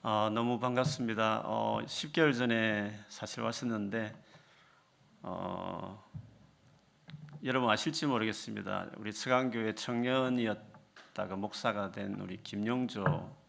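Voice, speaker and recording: Man, 50s, visiting missionary; gravelly voice, warm chatty greeting. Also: on the low side, steady tone, a little slow. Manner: chatty, self-deprecating. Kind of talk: sermon greeting.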